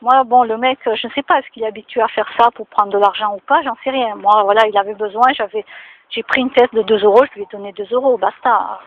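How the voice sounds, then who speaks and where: A woman's voice: fairly high pitch, steady tone, fast. A woman vlogging casually to camera, chatting and moralizing with many fillers, recorded outdoors near her home. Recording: tinny phone-like sound with faint noise.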